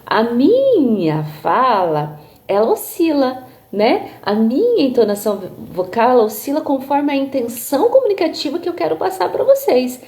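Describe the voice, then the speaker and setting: A music therapist with a Brazilian Portuguese accent gives a live online lecture streamed from a phone, explaining things and tagging her sentences with little checks while demonstrating intonations with her own voice. Her voice is high, warm and sing-song, at normal speed with few pauses.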